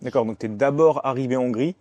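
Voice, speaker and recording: A man hosts a casual interview and asks his questions in an easygoing, friendly way. He talks briskly, with words coming quickly. His voice has a dark, relaxed tone at a middle pitch. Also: no room sound. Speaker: host, interviewer.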